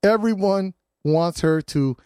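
A man hosting a morning radio show, chatting in an animated, joking way and laughing often. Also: sits high, slow, clear, resonant tone, no echo, clean studio sound. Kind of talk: casual morning radio banter.

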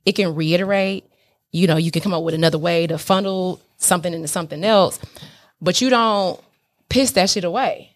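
A woman with an African American accent in candid, casual conversation, speaking emphatically with frequent swearing and checking in with the listener. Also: fairly low pitch. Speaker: business owner being interviewed.

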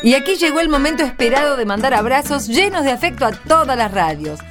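A woman's voice: high voice, very animated, fast, over music. A woman with an Argentine accent announcing scripted greetings on a radio program.

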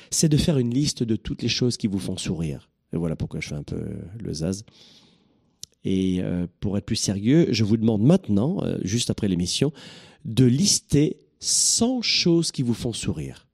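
A man from southern France giving an energetic, joking motivational talk to his listeners. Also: lowish voice, normal speed, slightly rough. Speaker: motivational speaker.

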